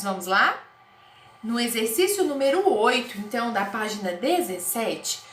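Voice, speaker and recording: A woman with a Brazilian Portuguese accent teaching first graders in a recorded online class, talking slowly in a sing-song, exaggerated way. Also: sits high, fairly bright tone. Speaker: primary school teacher. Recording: echoey room, faint noise.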